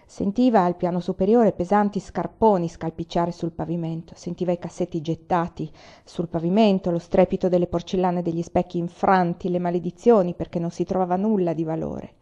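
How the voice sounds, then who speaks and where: A woman narrating a novel aloud in a steady, expressive reading style. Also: on the low side, a little fast, highs cut off. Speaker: audiobook reader.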